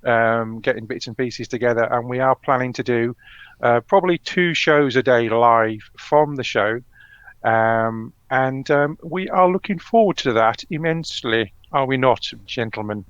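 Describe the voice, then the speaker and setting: A man's voice: mid-range voice, measured pace, fairly bright tone, clean tone, no echo. A man hosting a live-stream show, chatting casually and rambling with many ums. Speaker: host. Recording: dull lo-fi dry sound.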